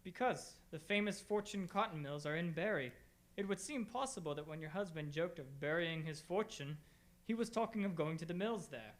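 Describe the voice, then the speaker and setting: A woman playing a brisk, confident gentleman detective who talks formally in a radio mystery play. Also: fairly low pitch, expressive, natural voice. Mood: probing, assured. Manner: formal, assured, explanatory. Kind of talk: old-time radio mystery theatre acting.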